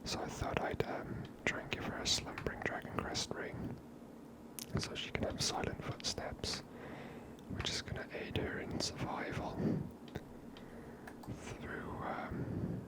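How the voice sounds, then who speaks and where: A woman whispering breathily close to the mic as she hosts an ASMR game playthrough, soft and musing. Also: measured pace, poor audio. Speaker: gaming host.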